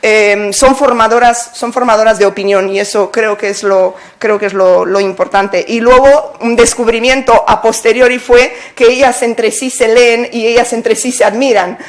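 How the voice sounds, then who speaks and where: A woman's voice: a little high, fairly even intonation, normal speed, hardly any pauses. A woman, an anthology editor, speaking hesitantly with many fillers on a poetry panel. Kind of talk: panel talk at a poetry event.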